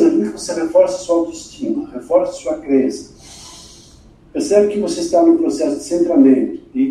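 A man hosting a podcast interview as a communication coach, talking in an animated, emphatic way and acting out quoted voices. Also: on the high side. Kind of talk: conversational interview, teaching with examples. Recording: very echoey room, distant mic.

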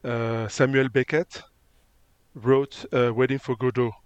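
Halting man with a French accent. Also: mid-range voice, little pitch movement, clean tone, no echo, muffled recording. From France. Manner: halting, searching for words. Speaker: photographer, guest. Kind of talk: interview answers.

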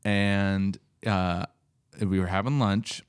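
A man's voice: low-pitched, flat delivery, slow, smooth. A man hosting a podcast, talking casually and rambling with lots of fillers and restarts. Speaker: podcast host. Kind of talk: casual chat.

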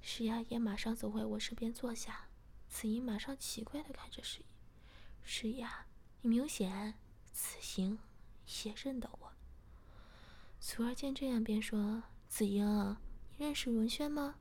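A woman reading a story aloud in a soft, breathy whisper. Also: a little high, fairly even intonation, unhurried, long pauses. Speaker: story reader.

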